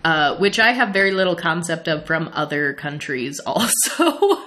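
A young adult woman from the Midwestern United States, chatting casually as a podcast co-host, animated and laughing often. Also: low-pitched, moderate pace, slight background noise. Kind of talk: casual chat recapping an anime series.

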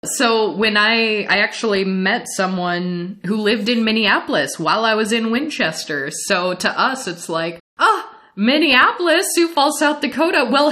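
A young adult woman from the Midwestern United States, chatting casually as a podcast co-host, animated and laughing often. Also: on the high side. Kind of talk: casual chat recapping an anime series.

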